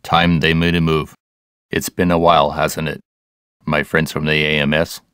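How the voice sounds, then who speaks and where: An actor playing a grave, megalomaniac corporate villain in a video game, with stilted, deliberate, ominous delivery. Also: male voice, very deep voice, level tone, fairly bright tone, clear, resonant tone, dry recording, clean studio sound. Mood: calm menace.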